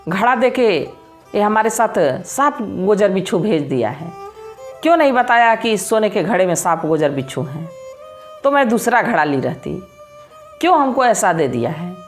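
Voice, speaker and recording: Brief: greedy, quarrelsome village girl in a storybook tale, voiced by a woman narrator; shrill, swooping delivery. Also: animated, moderate pace, faint music behind, close to an everyday voice. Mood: furious.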